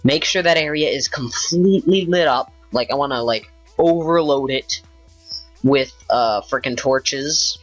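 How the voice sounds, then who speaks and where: A man's voice: mid-range voice, a bit bright, no echo, poor audio. Tired, rambling young gamer guy. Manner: rambling, offhand, thinks aloud with many fillers. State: tired, yawning. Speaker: gaming YouTuber. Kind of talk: casual gameplay commentary.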